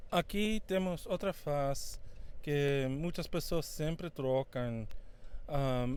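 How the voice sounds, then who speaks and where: A male English teacher, a native English speaker, gives a bilingual lesson, switching between English and Portuguese as he teaches in Portuguese. His voice sits on the high side, dark-toned and smooth, and he halts often with fillers.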